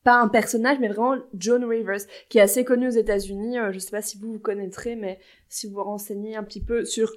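A woman hosting a podcast in casual chat, playful and teasing and quick to laugh. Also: mid-range voice, steady tone. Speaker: podcast host.

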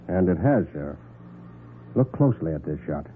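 A shrewd male master detective from 1940s radio crime drama. He gives orders briskly and with authority. The recording is narrow and muffled, with light hiss. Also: deep voice, big pitch swings. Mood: analytical, focused. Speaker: radio actor.

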